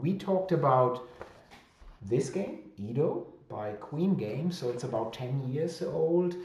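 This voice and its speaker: A man with a strong German accent speaks at a fairly slow pace with lively intonation, amid noticeable background noise and audible room echo. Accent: thick German. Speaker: board game publisher hosting weekly live chat. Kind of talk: live stream chat reading viewer comments. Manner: hesitant, many fillers and repetitions.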